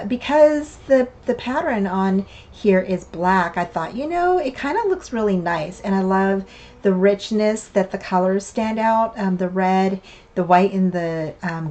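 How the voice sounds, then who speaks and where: An older woman with a lilt talks through her card-making steps in a relaxed, chatty voice. She is a bit hoarse and raspy from a cough that hasn't quite cleared, and she often trails off into fillers and restarts. Her pitch is in the middle range for a woman. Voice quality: slightly raspy. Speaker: craft channel host. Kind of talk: casual craft tutorial narration.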